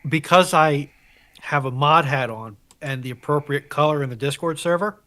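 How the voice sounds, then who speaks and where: A man chatting as a livestream panelist, speaking haltingly and qualifying his points with careful pauses. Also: on the high side, a bit bright. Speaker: livestream co-panelist and chat moderator. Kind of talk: casual panel chat.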